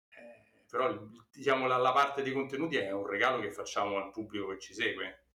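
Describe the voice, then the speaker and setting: Someone with a Roman accent speaks at a fairly quick pace, with ordinary pitch variation and big swings in loudness. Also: man, medium pitch for a man. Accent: Roman Italian. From Rome, Italy. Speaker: podcast host and financial advisor. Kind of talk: casual interview.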